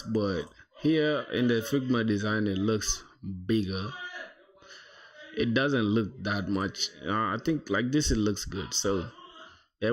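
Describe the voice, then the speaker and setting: A young man from South Sudan, Shilluk his first language, talks through his coding in a relaxed, rambling way. His voice sits a little low. He keeps tossing "bro" to his viewers. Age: young adult. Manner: relaxed, thinks aloud, says "bro" a lot. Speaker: livestreaming programmer. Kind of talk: casual coding livestream chat.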